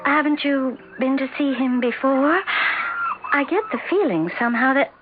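Actress as an anxious, high-voiced radio drama wife. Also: female voice, normal speed, close to an everyday voice. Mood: flustered politeness. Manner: hesitant, earnest, emotive. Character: anxious, conscientious, troubled wife narrating her story. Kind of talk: 1970s radio drama acting. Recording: dull radio broadcast over music.

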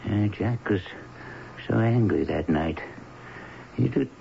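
A brooding old father with a low, gravelly voice, troubled and halting. The radio drama recording sounds muffled. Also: heavily acted. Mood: worried, brooding. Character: worried older father, newly widowed. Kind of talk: 1970s radio drama acting. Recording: muffled, lightly hissy 1970s radio recording.

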